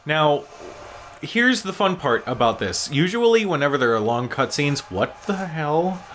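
A man's voice: fairly high pitch, sing-song, unhurried, a bit bright, a little hiss or hum. A man giving casual, exclamatory commentary as he watches game cutscenes. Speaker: video game show host.

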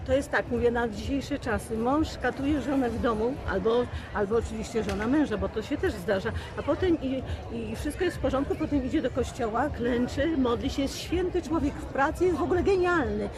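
A woman's voice: on the high side, fairly quick, few pauses. A woman in her sixties, an actress giving a casual interview, emphatic and repeating key words. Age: 60s. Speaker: stage actress being interviewed. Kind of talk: casual spontaneous interview talk. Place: outdoors in a town street. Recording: outdoor urban recording with crowd and traffic.

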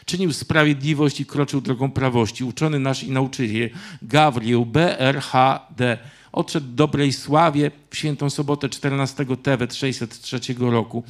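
A man reading from a novel and voicing a stern, cold elderly grandfather in a literary reading, with clipped, drawn-out words. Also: medium pitch, fairly even intonation, close to an everyday voice. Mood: solemn recitation.

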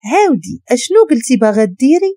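A woman's voice: a little high, big pitch swings, fast talker, warm tone, no echo, voice pushed up. A woman doing Sakhr, a cold Moroccan man giving short orders, dry close sound. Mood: commanding. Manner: curt and commanding. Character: stern cold man, a suspect under arrest.

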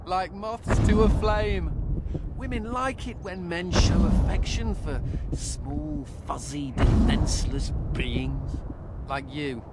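A man's voice: a little high, slow. An actor voicing a smug, flirtatious male mage in a fantasy game, playful and teasing. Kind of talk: fantasy video game banter. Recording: loud game noise over voice.

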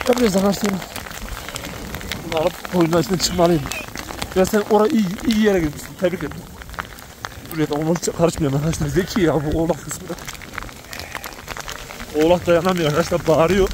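A man's voice: fairly high pitch, fairly quick, long pauses. A shepherd man vlogging outdoors in a hailstorm, calling out to his flock and talking to viewers on a handheld phone. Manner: exclaiming and talking to the animals. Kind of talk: vlog narration to camera while herding. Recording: loud hail and rain noise.

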